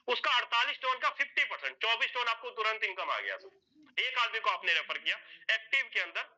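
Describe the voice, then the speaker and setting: On a dull lo-fi recording, a man with a high, bright, forceful voice presents an earning plan at a whiteboard. He goes step by step, repeats his points, poses questions to himself and answers them, and addresses listeners as sir and brother.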